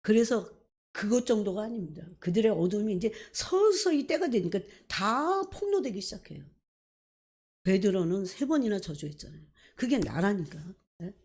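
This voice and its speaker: A woman pastor preaches with a mellow, husky voice. She talks animatedly and keeps turning to the congregation with quick questions. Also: medium pitch, lively intonation. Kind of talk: sermon.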